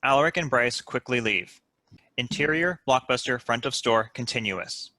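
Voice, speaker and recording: A man narrates screenplay stage directions in a bright, crisp-edged voice. The sound is dry and close, with a medium pitch. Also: animated, normal speed, no room sound. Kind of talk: scripted narration at a table read.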